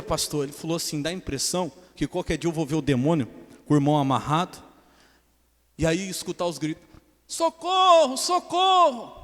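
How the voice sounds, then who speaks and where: A pastor with a Brazilian Portuguese accent preaches a sermon in a church hall, mixing joking asides with earnest preaching. His voice is a little high, with a long reverb tail.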